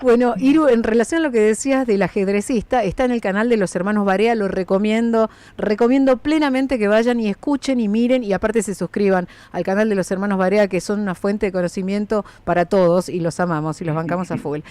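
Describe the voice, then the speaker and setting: Warm, dry-sounding female host, chatty and halting. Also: medium pitch, no room sound. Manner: chatty, hesitant with fillers. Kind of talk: casual online video chat.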